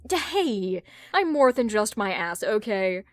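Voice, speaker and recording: A woman acts out an insecure man who talks himself up in an audio drama. He stammers and protests, flustered and quick to defend his pride, in a close, dry sound. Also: medium pitch, very animated, no echo. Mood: defensive.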